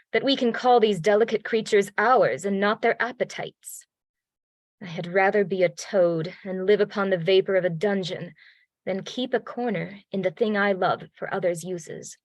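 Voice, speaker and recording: A woman's voice: mid-range voice, no room sound, close to an everyday voice. A woman reading the part of a proud middle-aged male general gnawed by jealousy, in earnest Shakespearean verse. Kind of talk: Shakespeare read-along.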